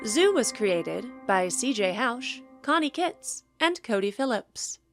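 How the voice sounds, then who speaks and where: Female podcast announcer for scripted credits, slightly high voice, dry close recording. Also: no echo.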